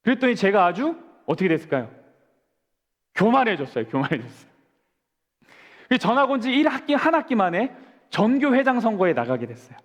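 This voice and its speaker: Man, 40s, pastor giving a storytelling sermon, lively delivery with the long reverb of a church hall. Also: very high voice, fast talker, lo-fi sound. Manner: storytelling, asks the congregation questions and answers them. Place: church sanctuary.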